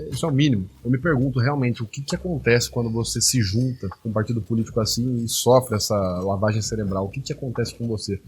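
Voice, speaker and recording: A man hosting a casual commentary, talking in an animated, indignant way with slang and plenty of fillers. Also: mid-range voice, slight background noise. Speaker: host analyzing rhetoric.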